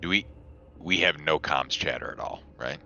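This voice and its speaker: A man playing a tabletop game, talking casually and deliberately with some hesitation, over a dull mic. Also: very deep voice, gravelly, bright, forceful tone.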